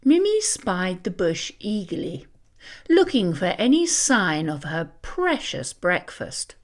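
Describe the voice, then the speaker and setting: A woman narrating a children's storybook in a theatrical, expressive read-aloud style. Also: on the low side, slow.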